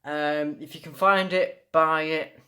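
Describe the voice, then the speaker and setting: A man's voice: on the high side, steady tone, slow pace, bright, forceful tone. A young man giving a casual, unscripted toy review, rambling enthusiastically and often repeating himself.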